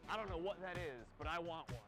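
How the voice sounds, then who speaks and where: A young man reporting outdoors with a playful, goofy streak and a high, lively voice that swings all over. Clear music plays behind him. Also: quick pace. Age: young adult. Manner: playful, goofy, shouting cheers. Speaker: student reporter. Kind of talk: upbeat field segment. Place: outdoors on campus.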